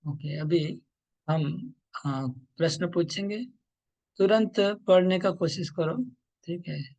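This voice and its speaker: A man teaching a scripture class online, explaining slowly and emphatically, repeating points. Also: high-pitched, darkish tone. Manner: slow, emphatic, repetitive explaining.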